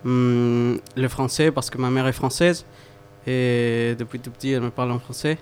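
A man in his twenties, a Spanish-native student, introducing himself in a halting way with many pauses and fillers. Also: medium pitch, steady tone, a little mellow, smooth. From Mexico. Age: 20s. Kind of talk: self-introduction.

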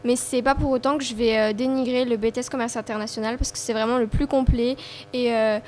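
A woman's voice: fairly high pitch, fairly even intonation, fairly quick, darkish tone, a little hiss or hum. A woman talking earnestly about a course of study, with frequent hesitations.

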